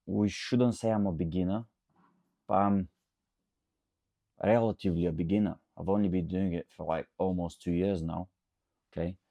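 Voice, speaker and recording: This Bulgarian-accented coach from Bulgaria hosts a casual, unscripted to-camera session answering audience questions, wandering a little and frequently checking in with "okay?". His voice sits low with vocal fry and a warm tone, and there's no room sound.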